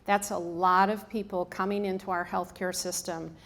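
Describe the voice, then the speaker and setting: A hospice staff member, a woman in her fifties, addresses a live audience in a room at a normal pace. Her fairly low voice is a bit bright and shows little pitch movement, and her strong Michigan accent comes through a casual talk full of ums and restarts.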